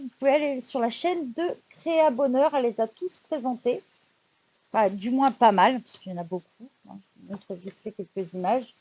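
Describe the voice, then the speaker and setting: A woman presenting her recent craft purchases in a casual, chatty haul video, often pausing on fillers. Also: fairly high pitch, warm tone, slightly rough. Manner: chatty, many hesitation fillers and "donc voilà". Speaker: craft YouTuber showing purchases.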